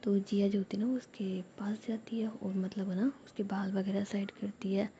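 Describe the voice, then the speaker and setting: A woman's voice: medium pitch, little pitch movement, moderate pace, warm tone, dull audio, a little hiss or hum. A woman narrating a love story in a whispered role-play style, rambling with many fillers.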